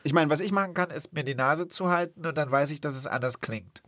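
A man hosting a podcast in lively casual chat, eager, exclaiming and laughing often. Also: fairly high pitch, fast, no echo. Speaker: podcast host.

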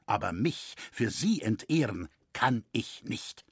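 A steadfast master builder, as a male reader voices him, firm and solemn. The voice is slightly husky and dry, like a storybook reading. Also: lowish voice, big pitch swings, takes it slowly, no echo, full character voice.

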